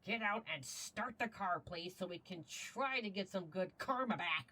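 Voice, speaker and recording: A woman's voice: mid-range voice, expressive, moderate pace, bright, forceful tone, slight background noise. A woman playing a brash, charming, apologetic mafia boss in an audio roleplay, with a wry, flirtatious and theatrical delivery. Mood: muttered scolding. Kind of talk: audio roleplay acting addressed to the listener.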